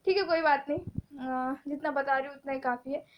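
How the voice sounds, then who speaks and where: A young woman teaching an exam-prep lesson in a chatty, informal way, mixing English technical terms into her talk and slowing down to read out topic lists. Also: high voice, steady tone, muffled recording, a little hiss or hum.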